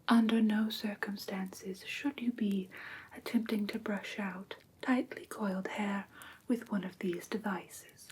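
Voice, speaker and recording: Woman whispering as a prim, slow-talking vampire teacher. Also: medium pitch. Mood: gently firm. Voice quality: soft, breathy whisper. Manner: formal, precise, deliberate, theatrically stern. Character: prim, strict female vampire teacher of human pet care. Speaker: ASMR performer. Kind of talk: ASMR roleplay class.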